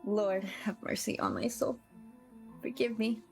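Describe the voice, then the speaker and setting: A woman's voice: a little high, fairly even intonation, a little slow, creaky. A woman livestreaming a game, chatting casually and effusively with her viewers and thanking them often. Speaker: game livestreamer and content creator. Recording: music playing behind the voice. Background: music.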